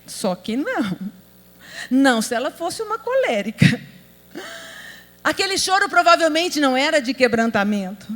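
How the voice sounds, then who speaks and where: A woman's voice: sits high, big pitch swings, moderate pace, pauses often. A woman pastor from Brazil preaching a sermon, emphatic and asking the audience rhetorical questions. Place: large convention hall. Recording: hall reverb with mains hum.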